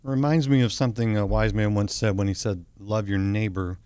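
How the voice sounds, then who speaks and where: A man's voice: fairly low pitch, steady tone, fairly quick, dark tone, clear, resonant tone, no room sound. A man hosting a talk show interview, easygoing and chatty, often restarting his sentences.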